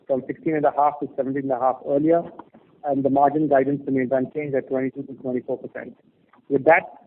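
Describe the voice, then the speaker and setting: A man presenting quarterly financial results in measured, prepared remarks on an earnings call. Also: medium pitch, slight background noise. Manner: measured, reads figures steadily. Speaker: company finance executive. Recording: tinny phone line.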